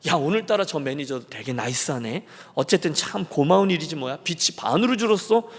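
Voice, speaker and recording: A man voicing a blunt, excitable tenant farmer who talks in rough, exclaiming bursts. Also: a little high, a little fast, voice pushed down. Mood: delighted. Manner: chatty, exclaiming, rough speech. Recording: long church reverb.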